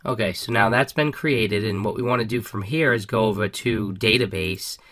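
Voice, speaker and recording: Upbeat man with a bright, slightly raspy voice. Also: lowish voice, normal speed. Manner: upbeat, casual, frequent ums and restarts. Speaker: coding tutorial host. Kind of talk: screen-recorded coding walkthrough.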